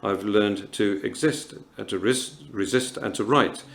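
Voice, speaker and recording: A man in his fifties from Morocco, speaking at a writers' panel in a halting, earnest way, with many pauses and fillers. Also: fairly low pitch, vocal fry. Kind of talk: reflective festival panel talk.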